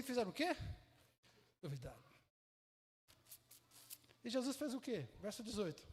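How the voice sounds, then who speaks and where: Brazilian pastor guy, pretty high voice, slangy lively sermon, big reverb. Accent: Brazilian Portuguese. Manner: lively, colloquial storytelling, acting out scenes. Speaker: preacher. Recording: echoey hall reverb.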